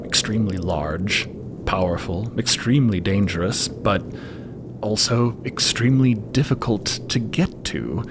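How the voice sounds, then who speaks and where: A man playing a slow, hesitant, troubled explorer. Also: on the low side, noisy background. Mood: troubled, haunted. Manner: halting, wordy, polite. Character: troubled, hesitant, courteous man of a cosmic expedition.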